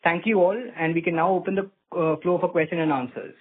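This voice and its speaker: A man's voice: fairly high pitch, fairly even intonation, fast talker. A man with an Indian accent, reading out financial results as an executive on an earnings call. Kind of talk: scripted financial results presentation. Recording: narrow phone-line sound.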